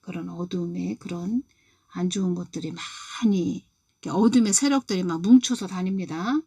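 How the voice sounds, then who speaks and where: A woman's voice: fairly low pitch, normal speed, mellow, slightly rough, no echo. A woman in her sixties giving a spiritual testimony and telling her dream, repeating key phrases with emphasis. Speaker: lay preacher.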